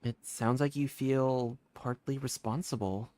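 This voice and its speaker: A gaming streamer doing casual live commentary, rambling and thinking aloud in an expressive way. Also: mid-range voice, measured pace.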